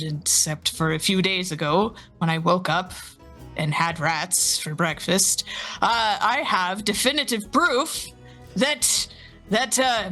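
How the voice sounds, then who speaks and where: A woman's voice: mid-range voice, pushed and bright. A woman voicing a boastful, dim-witted pirate navigator who brags and stumbles over words. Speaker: player.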